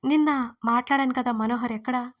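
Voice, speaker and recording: A woman voicing a young college student who is deeply in love, soft and dreamy. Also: fairly even intonation, fairly quick, close to an everyday voice. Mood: casual.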